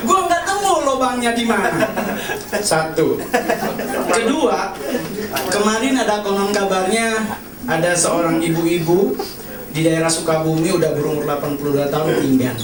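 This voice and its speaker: Guy doing standup at an open mic, high voice, keeps saying honestly, echoey club heard from far off, loud laughing crowd. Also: lively intonation, normal speed, long pauses. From Indonesia. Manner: confessional, keeps repeating "honestly", acts out other people's lines. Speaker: stand-up comedian. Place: comedy cafe stage before a laughing audience.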